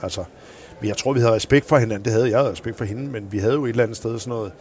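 A man, a former handball coach, telling animated stories in an interview and acting out the people he quotes. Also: mid-range voice. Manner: animated, acts out quoted voices in anecdotes. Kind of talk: anecdotal interview storytelling.

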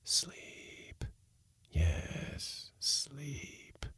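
A man voicing sinister hidden alien voices in a breathy, chanting whisper for a short story. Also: fairly bright tone, no echo. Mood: hushed, luring. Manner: chanting, drawn-out repetition.

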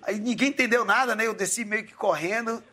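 Bright, high-voiced man telling anecdotes. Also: fairly quick. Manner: animated anecdotes, acts out quoted lines. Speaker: guest, former footballer. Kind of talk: casual storytelling chat.

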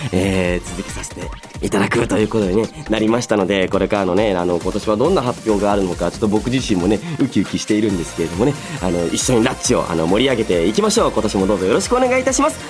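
A man hosting a radio show, moving between casual chat and announcements in a polite, chatty way. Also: on the low side. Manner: polite, chatty, frequent soft "ne" tags. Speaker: radio show host and voice actor.

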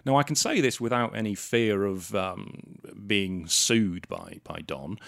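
Male podcast host from South Wales, slightly low voice, dry close sound, indignant sarcastic monologue. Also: measured pace, gravelly, fairly bright tone, dry recording. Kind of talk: casual storytelling monologue.

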